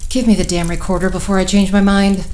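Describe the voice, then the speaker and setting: A woman's voice: mid-range voice, level tone, quick pace, a little mellow, slight background noise, close to an everyday voice. A woman playing an exasperated, sarcastic counselor in a naturalistic audio drama, with a snappy, sardonic way of talking. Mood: irritated.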